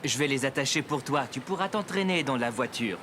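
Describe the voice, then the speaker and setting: A man voicing a patient, encouraging father in a children's cartoon, speaking in a gentle, reassuring way. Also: medium pitch, expressive, fairly quick, very noisy, lightly acted. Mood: helpful. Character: patient, encouraging adult father of small boy.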